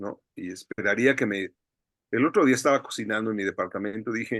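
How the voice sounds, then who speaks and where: A man talks at a fairly quick pace, his loudness swinging widely. He has an ordinary speaking voice, with medium pitch and ordinary pitch variation. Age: 60s. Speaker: sound editor. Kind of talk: interview conversation.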